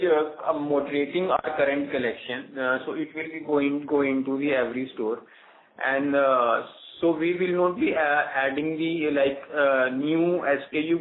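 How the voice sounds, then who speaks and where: A man with an Indian accent, a company executive, answering earnings call questions in a hesitant, halting way. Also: fairly high pitch. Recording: narrow phone line with light noise.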